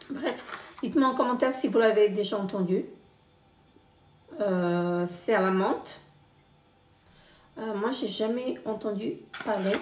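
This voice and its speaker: A woman's voice: mid-range voice, darkish tone, recorded from a distance, slight background noise. Hesitant woman vlogger, roomy sound. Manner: hesitant, many fillers, reads product blurbs aloud. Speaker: beauty box unboxing vlogger. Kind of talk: casual unboxing commentary. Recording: roomy, a bit off-mic.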